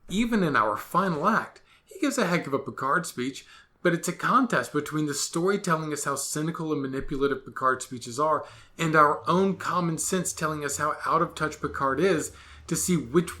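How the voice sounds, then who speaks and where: A man's voice: fairly high pitch, pushed and bright. A man ranting sarcastically in a solo commentary monologue, exasperated and full of absurd comparisons. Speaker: podcast host.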